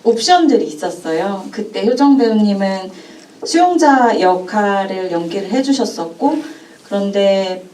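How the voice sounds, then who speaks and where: A woman film director explaining her casting choices at a screening talk, measured and searching for words. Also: medium pitch, lively intonation, warm tone, far from the mic. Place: cinema auditorium. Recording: echoey cinema, from afar.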